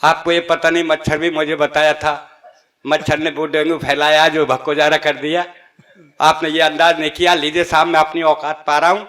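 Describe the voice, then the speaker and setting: An older man from Rajasthan, telling comic anecdotes in animated style as a stage poet. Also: on the high side, moderate pace. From Rajasthan, India. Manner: animated storytelling with dialect voices. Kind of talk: stand-up comic poetry anecdote.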